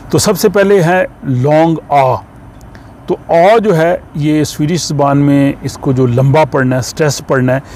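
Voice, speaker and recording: A man with an Urdu accent explains a language lesson at an unhurried pace, pausing often on fillers. His voice sits at an ordinary middle pitch. Faint car and street noise hums behind him. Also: darkish tone. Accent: Urdu-speaking. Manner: slow, explaining with many fillers. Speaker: language teacher.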